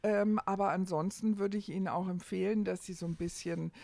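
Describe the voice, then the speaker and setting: A woman's voice: mid-range voice, steady tone, brisk, vocal fry, a little mellow. A middle-aged woman, talking conversationally as an interview guest and searching for her phrasing as she goes. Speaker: hotel owner, interview guest.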